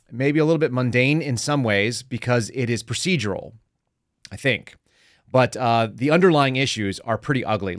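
A man's voice: mid-range voice, dry recording, studio quality. A man hosting a podcast interview in a casual, informal way with a sardonic streak. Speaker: podcast host.

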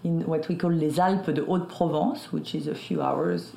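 A woman with a French accent speaks in a low voice, her answers unhurried and broken by small pauses while she finds her words. The room around her is echoey, and a faint hiss sits under the voice. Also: steady tone, vocal fry, warm tone. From France. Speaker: guest, skincare founder. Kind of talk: recorded interview answer. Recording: roomy echo.

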